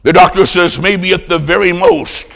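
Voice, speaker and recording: A preacher doing a blunt, caring hospital pastor. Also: male voice, high voice, moderate pace, creaky, a bit bright. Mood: earnest. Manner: earnest, direct. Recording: long hall reverb.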